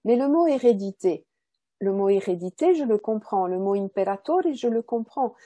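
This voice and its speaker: A woman's voice: mid-range voice, expressive, normal speed, warm tone, dry recording. A woman giving an explanatory lecture as a language researcher, in a didactic way, repeating key words and checking that listeners follow. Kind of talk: explanatory lecture, semi-spontaneous.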